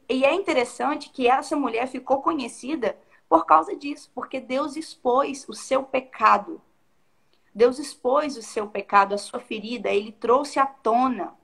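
A woman's voice: sits high, vocal fry, a bit bright. A woman, co-hosting a casual devotional chat and reflecting on scripture, often acting out quoted speech in shifting tones. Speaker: co-host of a Bible discussion.

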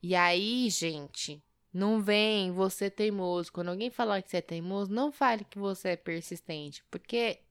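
A young woman with a São Paulo accent, chatting casually with a co-host, playful and quick to laugh. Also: medium pitch, smooth, dry recording, studio quality. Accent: São Paulo Portuguese. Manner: playful, laughs often, acts out quoted lines. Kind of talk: casual chat.

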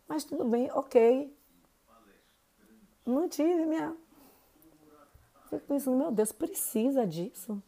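Woman, 40s, Bahian accent; warm, slightly high voice; chatty podcast host talking straight to the audience. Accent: Bahian Portuguese, Salvador. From Brazil. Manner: chatty, keeps addressing listeners with "gente" and "né". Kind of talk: casual monologue podcast.

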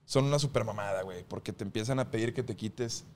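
A man's voice: fairly low pitch, fast, slight background noise. A man with a Mexican accent hosting a comedy podcast, telling crude stories in loose, profane banter. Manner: profane, animated storytelling. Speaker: podcast host.

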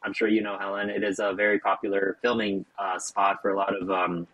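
A man's voice: sits low, level tone, brisk, a bit bright, dry recording, muffled recording. An American man hosting a podcast, chatting casually with lots of fillers and small talk. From United States. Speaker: podcast host. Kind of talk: casual interview chat. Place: Chicago.

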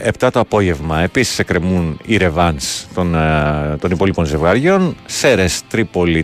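Low-voiced male morning radio host. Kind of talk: casual morning sports radio chat, reading listener messages. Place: radio studio. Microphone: studio microphone. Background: quiet music.

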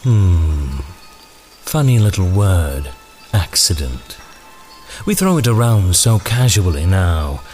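An actor playing a menacing, eloquent ringmaster in an audio drama, speaking in deliberate, theatrical, archaic phrases. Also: male voice, deep voice, darkish tone. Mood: ominous musing.

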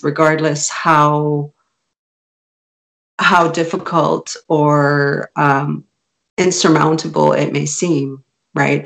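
Slow-talking gravelly woman author. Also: low-pitched. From Canada. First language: Hungarian. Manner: chatty, laughs often, many restarts. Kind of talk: casual interview chat.

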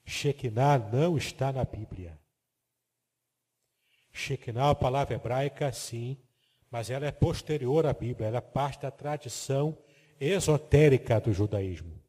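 A man's voice: mid-range voice, moderate pace, warm tone, slightly rough, in a large hall. A man teaching the Bible from slides, explaining terms step by step and checking that the listener follows. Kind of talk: biblical teaching lecture with slides.

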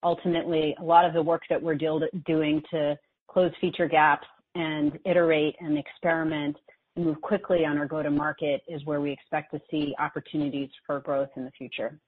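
A woman executive speaks in a low, slightly husky voice over a narrow phone-like call line. She walks through financial results in a measured, businesslike way. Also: flat delivery. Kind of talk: earnings call commentary, explanatory. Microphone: conference call line.

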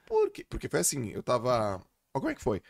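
A man in his forties hosts a podcast in casual chat, telling stories with animated energy and big laughs. His voice moves a lot in pitch and carries a gravelly edge. The sound is dry and close to the mic. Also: a little fast, no echo. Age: 40s. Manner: animated storyteller, bursts into loud laughs. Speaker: podcast host.

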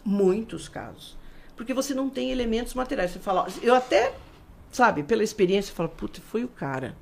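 A woman's voice: a little high, fairly quick, vocal fry, a little hiss or hum. A middle-aged woman with a Brazilian accent, a forensic expert explaining cases in a casual interview. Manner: animated, explanatory, acts out quoted speech.

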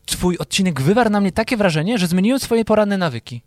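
A man's voice: sits high, lively intonation, fast, darkish tone, no room sound, clean studio sound. A man co-hosting a casual chat, explaining things step by step in a playful way. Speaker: podcast co-host.

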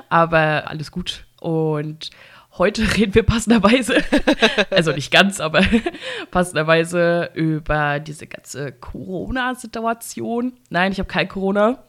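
A woman hosting a casual podcast, her voice a little stuffy from a cold. She talks in loose, easy phrases and laughs often, in a fairly low register. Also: sing-song, slow pace, fairly bright tone. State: slightly congested from a cold. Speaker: podcast host.

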